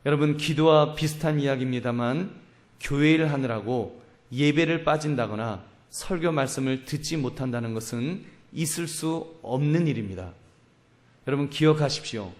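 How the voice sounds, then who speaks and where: A male pastor preaching a sermon, emphatic and full of rhetorical questions to his congregation. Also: on the high side.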